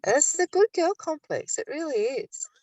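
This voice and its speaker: A woman's voice: high-pitched, animated, normal speed, darkish tone, dry recording. An older woman speaking reflectively in a spiritual study discussion, recorded at a distance from the microphone. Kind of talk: reading aloud and reflective discussion.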